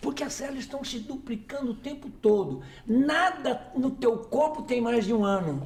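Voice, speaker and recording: Over noticeable background noise, a man with an extremely high pitch speaks at a moderate pace with ordinary pitch variation. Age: 70s. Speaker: naturopath and clinical nutritionist. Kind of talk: interview answer.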